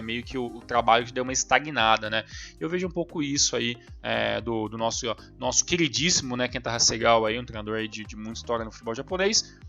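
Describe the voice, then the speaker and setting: A man's voice: medium pitch, creaky, a bit bright. Male podcast co-host, casual football talk, rambling and filler-heavy, dull lo-fi sound with faint music. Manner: rambling, many fillers and restarts.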